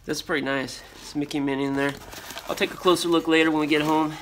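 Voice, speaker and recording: Talking fast in a level, higher-than-average voice, a middle-aged American man vlogs casually and unscripted while unboxing in a storage unit with a concrete floor, rambling as he goes. He buys storage auctions and resells, and his noisy handheld recording catches loud rustling, crumpling, crinkling and clicks.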